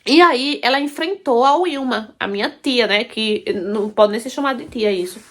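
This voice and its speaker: A woman's voice: on the high side, moderate pace, a bit bright. A woman telling a first-person life story, emphatic and repetitive, often turning to her listeners.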